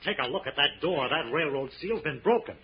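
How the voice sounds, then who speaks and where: An actor playing a steady, commanding crime-fighting hero, firm and earnest, in 1940s radio drama style. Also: male voice, fairly high pitch, fairly quick, lightly acted. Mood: insistent. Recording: very noisy, muffled old radio recording.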